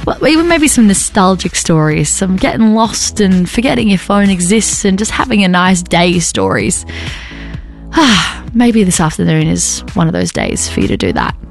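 A husky-voiced young Australian woman hosts an afternoon radio show, chatting in a loose, rambling, upbeat way. She speaks into a studio mic with soft music underneath. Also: medium pitch, sing-song, normal speed. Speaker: radio host. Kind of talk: casual on-air chat.

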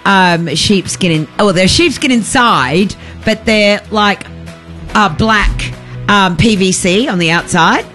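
A woman's voice: medium pitch, slow, fairly bright tone. A woman co-hosting a radio show, chatty and rambling, stumbling over her words. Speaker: radio co-host. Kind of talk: breezy radio banter. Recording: radio studio with faint music.

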